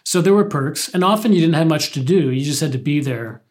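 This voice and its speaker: A man's voice: fairly high pitch, animated, fairly quick, darkish tone. A man guest, a playwright and poet, speaking thoughtfully in a casual interview, with frequent hesitations and restarts.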